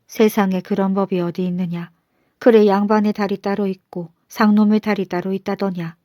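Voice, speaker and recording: A woman voicing a humble old male minister in a storybook folktale, calm and plain-spoken, stern when he scolds. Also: mid-range voice, normal speed, no room sound, clean studio sound, close to an everyday voice.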